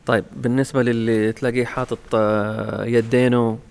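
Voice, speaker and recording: A male podcast host talks at a brisk clip in a mid-pitched voice. He keeps the casual chat moving with short prompting questions. He often recaps his guest's points back to him. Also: level tone, vocal fry, darkish tone, clear, resonant tone.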